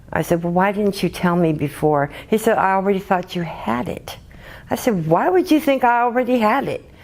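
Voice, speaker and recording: With an American accent, a woman speaks at a fairly quick pace in an unremarkable speaking voice, her medium pitch carried by lively intonation. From Seattle, Washington. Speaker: woman living with HIV, support network member. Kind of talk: personal testimony interview.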